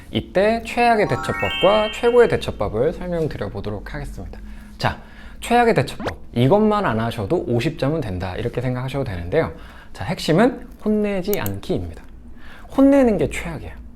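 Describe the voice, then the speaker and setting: Animated male lecturer with lively pitch. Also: slight background noise. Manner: animated, acts out quoted lines. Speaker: sex education lecturer. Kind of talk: lecture to parents.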